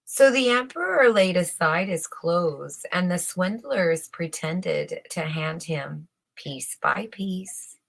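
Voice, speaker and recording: Woman storyteller, fairy-tale narration, slightly low pitch, unhurried, theatrical, expressive. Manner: theatrical, deliberate.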